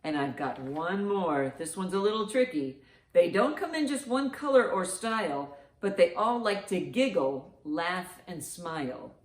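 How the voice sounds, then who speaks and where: Animated woman hosting children's storytime, roomy sound. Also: fairly low pitch, measured pace. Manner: encouraging, exaggerated reactions to answers. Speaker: children's library storytime host. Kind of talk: animated read-aloud and riddles for young children.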